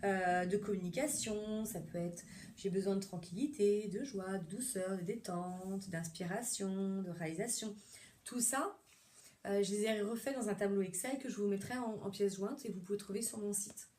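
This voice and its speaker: Middle-aged woman, therapist explaining things off the cuff, warm mellow tone, lots of hesitations. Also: medium pitch, moderate pace. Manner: chatty, rambling, many fillers and restarts. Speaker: psychotherapist. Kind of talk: casual monologue.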